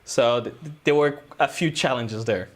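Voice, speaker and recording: A man's voice: medium pitch, a little slow. A man, a guest filmmaker telling a story in a casual interview, rambling loosely with lots of "uh" and "um". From Brazil.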